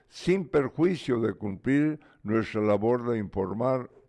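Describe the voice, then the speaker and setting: Speaking very slowly, a man with a medium-pitched voice and a dark, mellow tone uses lively intonation. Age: 70s. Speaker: news show co-host. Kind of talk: reading news aloud.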